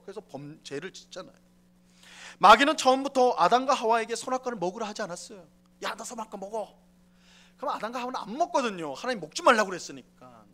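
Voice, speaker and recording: Pastor preaching with a fairly high voice. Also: male voice. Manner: explanatory, rising to emphatic then dropping soft. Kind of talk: sermon. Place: church sanctuary.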